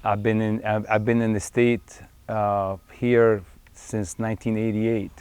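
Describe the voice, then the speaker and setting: A middle-aged man from Syria, a wildlife photographer, talking in a reflective, unhurried way in a profile interview, with frequent fillers and restarts. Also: lowish voice, little pitch movement, a little mellow, smooth.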